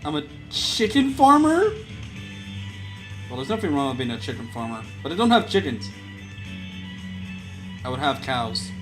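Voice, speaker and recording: A man's voice: a little high, sing-song, normal speed, pauses often. A young man chatting casually, joking and drifting off on silly tangents. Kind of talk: casual streaming chat. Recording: guitar music clearly behind the voice.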